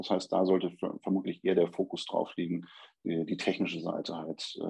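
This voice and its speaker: Talking fairly quickly, a man uses a very deep, low voice. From Hamburg, northern Germany. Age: 40s. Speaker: real estate company director. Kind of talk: interview. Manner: hesitant, many fillers.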